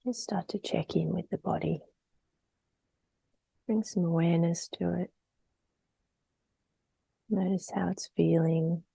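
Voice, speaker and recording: A woman leading a guided meditation in a soft, breathy, gentle voice, unhurried and trailing towards a whisper between long pauses. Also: on the low side, steady tone, rough recording.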